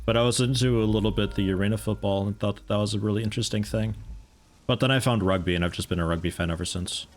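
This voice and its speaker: A man's voice: on the low side, fairly even intonation, fast. A young American man streaming a game, chatting casually in a rambling, self-interrupting, amused way, with a mixed accent that carries some European mannerisms. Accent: mixed American with picked-up European mannerisms. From United States. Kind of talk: casual live-stream chat while playing.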